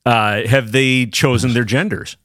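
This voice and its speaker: A man hosting a podcast in a teasing, joking way, laughing often, his voice sitting at a middling pitch for a man. He chats loosely with a co-host in a casual exchange. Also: fairly even intonation, unhurried, a bit bright, no echo, clean studio sound.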